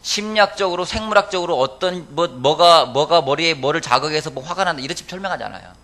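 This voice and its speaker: A man's voice: on the high side, quick pace, bright, forceful tone. A male pastor preaching a sermon, often asking the congregation questions and answering them himself. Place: church sanctuary.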